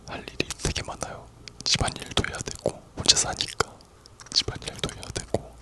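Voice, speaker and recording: A person whispering a casual, rambling ASMR chat in a soft, unvoiced whisper. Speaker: ASMR video creator.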